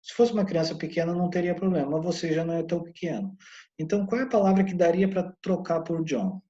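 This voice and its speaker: Mellow Brazilian male English teacher. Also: fairly high pitch, lo-fi sound. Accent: Brazilian Portuguese. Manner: explains patiently, sounds out English words slowly. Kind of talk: online English lesson.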